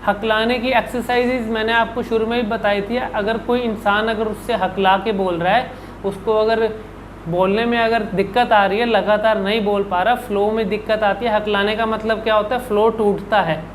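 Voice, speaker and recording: A man's voice: high-pitched, steady tone, normal speed, a little hiss or hum, poor audio. A man working as a speech coach, answering viewer questions in an instructional video and demonstrating each sound by repeating syllables and words. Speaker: speech and public speaking coach.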